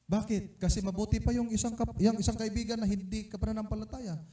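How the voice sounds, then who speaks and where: Man preaching, highish mellow voice, lively swings in loudness, echoey church room picked up from far off. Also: fast talker. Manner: animated storytelling with sudden loud emphasis. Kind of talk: sermon. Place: church hall.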